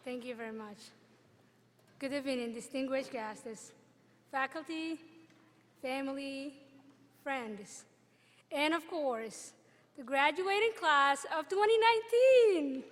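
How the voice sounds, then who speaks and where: A young woman from Somalia delivers a graduation address at a podium microphone. Her voice sits high, and her words carry an earnest, measured pace with deliberate pauses. The sound rings out with the long reverb of a large hall. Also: slight background noise. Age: young adult. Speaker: student commencement speaker. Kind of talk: graduation speech.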